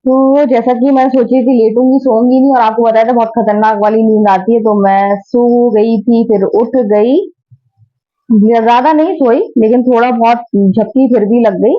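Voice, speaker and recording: A sleepy woman in her thirties talks chattily to her viewers from her bedroom. Her voice sits a little high, and the phone recording sounds dull and lo-fi. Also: fairly even intonation, moderate pace. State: sleepy and tired. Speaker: family vlogger. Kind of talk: casual home vlog narration. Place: bedroom at home.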